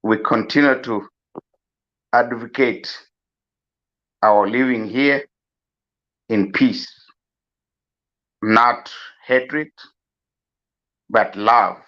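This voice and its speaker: A man from South Sudan giving a slow, earnest farewell address, pleading with many pauses. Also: mid-range voice, fairly bright tone. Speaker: mourner giving a eulogy. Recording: dull lo-fi recording.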